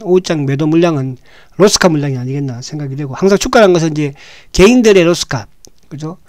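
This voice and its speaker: A hoarse man hosting a stock market show, talking casually and often checking in with "right?". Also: a little high, a little mellow, no echo, clean studio sound. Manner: talks with frequent "right?" tag questions, halting restarts.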